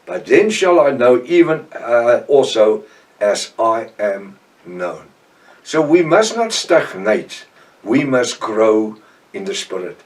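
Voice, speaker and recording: An older South African man with an Afrikaans accent, giving an informal, earnest Bible teaching with frequent pauses and restarts. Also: mid-range voice, very animated, distant mic. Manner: earnest, halting, with many restarts. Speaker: professor and preacher.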